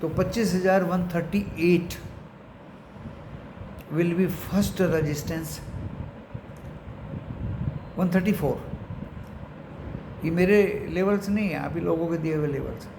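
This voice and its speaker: A man's voice: a little high, takes it slowly, pauses often. A man with an Indian accent giving unscripted market commentary to his viewers, mixing in English phrases and addressing them like friends. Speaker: stock market commentator and channel host. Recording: echoey room with clear background noise.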